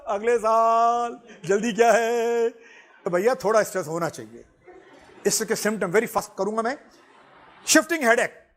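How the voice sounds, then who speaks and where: Casting: high-pitched man, lively lecturer who laughs and switches between Hindi and English. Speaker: personality development teacher. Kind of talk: classroom lecture.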